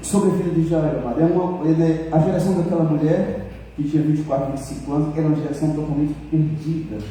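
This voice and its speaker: Brazilian preacher, emotional storyteller, dark mellow tone, far from mic in a reverberant church. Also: male voice, a little high, fairly even intonation, fast talker, slight background noise. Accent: Brazilian Portuguese. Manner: emotional storytelling, addresses congregation. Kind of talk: sermon. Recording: echoey church hall, voice from far off.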